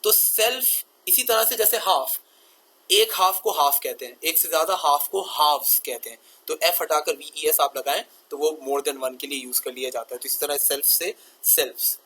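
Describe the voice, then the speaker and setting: Bright, high-voiced male grammar teacher. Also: moderate pace, breathy edge, low-quality recording. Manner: methodical, repeats rules and asks listeners to pay attention. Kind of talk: explaining grammar over slides.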